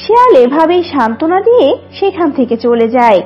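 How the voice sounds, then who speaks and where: A woman narrates a children's story in a high, very expressive voice. Music plays behind her, and the sound is slightly dull. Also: fairly quick.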